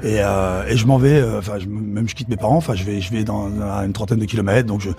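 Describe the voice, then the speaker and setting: A middle-aged man with a Parisian suburban accent, a chef recalling his youth in halting casual talk full of fillers and restarts. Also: on the low side, steady tone, warm tone, soft background music. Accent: Parisian suburban French. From Paris suburbs, France. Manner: hesitant, many fillers and restarts. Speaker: chef interviewed about his career. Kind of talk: casual spoken recollection.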